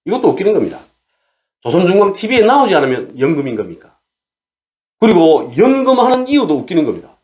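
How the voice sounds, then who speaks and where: A man delivering solo commentary in a high, lively voice that swings widely in pitch. He argues his case step by step and keeps throwing rhetorical questions at the listener. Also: fast talker, pauses often. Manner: argumentative, asks rhetorical questions. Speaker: commentator on North Korea.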